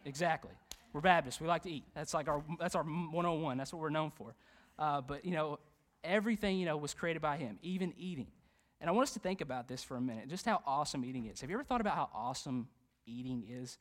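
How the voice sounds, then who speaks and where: A youth pastor preaches in a church. He talks in an animated, conversational way, full of fillers and jokes. His voice sits slightly higher than most men's. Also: fast talker. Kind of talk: sermon. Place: church sanctuary.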